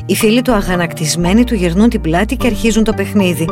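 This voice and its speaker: A woman narrating a children's Christmas story in an expressive, animated way. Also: medium pitch. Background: soft music.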